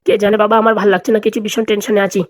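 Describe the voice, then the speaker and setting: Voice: mid-range voice, little pitch movement, racing, dry recording, close to an everyday voice. A performer voicing an anxious, complaining older male tutor in a comedy cartoon, with a fretful, grumbling manner. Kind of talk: comic cartoon dialogue.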